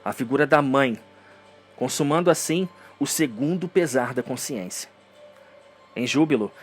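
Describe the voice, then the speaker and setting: A man with a Brazilian accent narrating a story in a solemn, theatrical, dramatic scripted style. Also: fairly high pitch.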